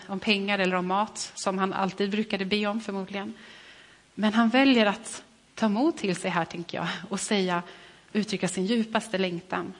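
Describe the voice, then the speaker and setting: A woman giving a sermon in a gentle, reflective manner, often restarting her phrases. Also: mid-range voice, big-room sound. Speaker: preacher.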